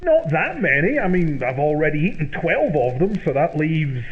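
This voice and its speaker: A man's voice: a little high, very animated, moderate pace. A man acting as an eager, naive sidekick in an old-time radio comedy, with exaggerated gee-whiz delivery. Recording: dull lo-fi old-radio sound, music behind.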